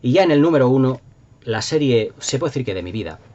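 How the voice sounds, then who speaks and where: A man's voice: medium pitch, expressive, fast talker, mellow, muffled recording, slight background noise. A middle-aged man with a Castilian Spanish accent hosting a casual, unscripted nostalgic review, enthusiastic and rambling, repeating words for emphasis. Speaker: video channel host.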